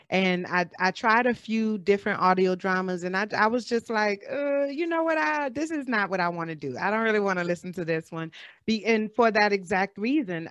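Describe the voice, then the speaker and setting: A woman's voice: mid-range voice, fairly bright tone, smooth, no echo, lo-fi sound. Earnest woman moderating a panel, dry sound. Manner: earnest, thinks aloud with restarts. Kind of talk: panel discussion.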